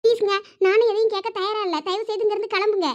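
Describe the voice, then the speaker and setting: Woman doing a squeaky high cartoon wife, thoothukudi tamil accent, sulky and reproachful. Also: steady tone, very fast, a little mellow, muffled recording. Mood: hurt. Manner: reproachful, insistent. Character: sulky hurt young wife, tearful and proud. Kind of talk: cartoon voice acting.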